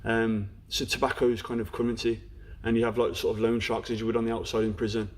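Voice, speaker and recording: Fast-talking Black Country man. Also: fairly low pitch, flat delivery. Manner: frank, storytelling, peppered with "you know". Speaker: interview guest. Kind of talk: candid personal story in a podcast interview.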